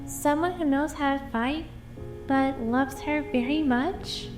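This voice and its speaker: Casting: woman as kindly young cartoon hedgehog heroine, very high voice, slow earnest delivery, audio drama. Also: over music. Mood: sympathetic, reassuring.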